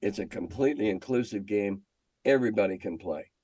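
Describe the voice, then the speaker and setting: An older American man with a deep voice talks casually as a guest on a show. His manner is plain and wry. He is recorded dry, with hardly any room sound. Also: fairly quick, a little mellow, husky, no echo. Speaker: interview guest, retired magazine editor. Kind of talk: casual chat.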